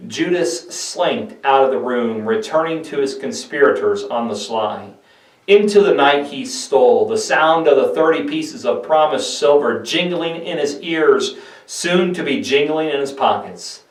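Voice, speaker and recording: A male storyteller reads a dramatic biblical script with theatrical emphasis. His voice sits a little high and comes from some way off the microphone, with clear room echo. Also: animated, a little slow. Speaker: pastor, narrator. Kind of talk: dramatic scripted Bible narration. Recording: echoey room, distant microphone.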